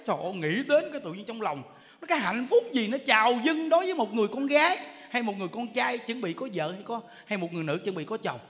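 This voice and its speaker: A Buddhist monk, giving a jokey, lively storytelling sermon in which he acts out characters. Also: very high-pitched, slight background noise. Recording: echoey hall, faint ambience.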